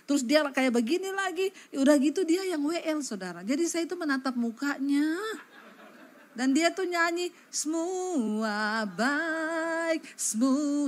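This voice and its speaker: Animated, higher-pitched woman pastor preaching. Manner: animated and colloquial, often addresses the congregation as "saudara". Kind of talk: sermon with personal storytelling.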